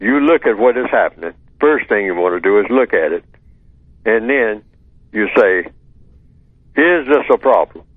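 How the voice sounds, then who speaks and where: An older man on a call-in radio show, explaining his ideas in a measured way and repeating key words for emphasis. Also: on the low side, expressive, no echo. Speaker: radio show guest answering callers. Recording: tinny phone line, dry.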